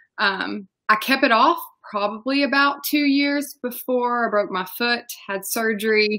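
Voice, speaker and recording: Woman with a strong Southern US accent, bright and sharp tone, ordinary pitch variation, and a fairly slow pace, on a very clean recording with a silent background. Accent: thick Southern US. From US South, East Tennessee. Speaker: weight-loss influencer. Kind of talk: interview.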